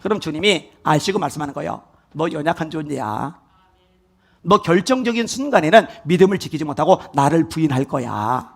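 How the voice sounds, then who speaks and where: A pastor, a man, preaching a sermon, swinging from loud emphatic lines to quiet intimate asides. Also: fairly high pitch, animated, a little fast, gravelly.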